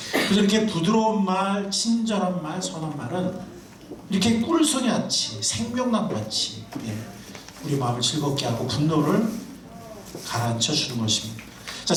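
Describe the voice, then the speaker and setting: A man preaching a sermon to a congregation, animated and quizzing his listeners. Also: high-pitched, a little hiss or hum. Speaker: pastor. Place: church sanctuary. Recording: echoey room, mic far off.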